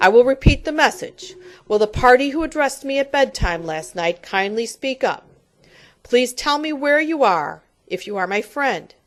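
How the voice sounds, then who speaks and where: A woman puts on a character voice with a high pitch, talking at a moderate pace. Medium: read story. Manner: earnest, eager.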